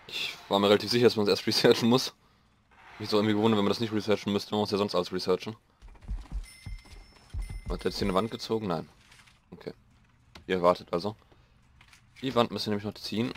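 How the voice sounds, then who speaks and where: Slightly hoarse young man, low voice. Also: fairly even intonation, fast talker, pauses often, a little hiss or hum. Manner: rambling, self-mocking, thinking aloud. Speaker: let's play host. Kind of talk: casual gameplay commentary.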